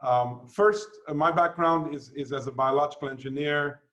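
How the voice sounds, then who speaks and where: A man raised in Canada and the United States, giving a formal address as a guest speaker in a measured, explanatory way with fillers. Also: on the high side, a bit bright, poor audio.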